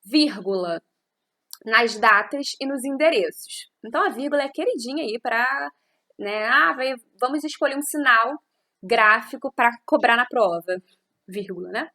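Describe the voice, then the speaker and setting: A woman's voice: on the high side, expressive, unhurried, pushed and bright. A woman teacher recording an audio lesson close to the microphone, explaining patiently and checking in with her students through frequent tag questions. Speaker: Portuguese teacher.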